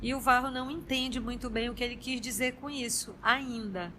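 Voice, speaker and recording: A woman recapping a story from memory, slow and halting. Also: a little high, steady tone, bright, forceful tone, slight background noise. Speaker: study group member giving a recap.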